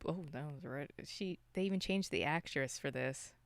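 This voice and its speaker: A woman with a low, smooth voice, recorded close and dry. She chats casually as a podcast co-host, rambling along in an informal, wry way. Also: moderate pace, no room sound. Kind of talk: casual chat about movies.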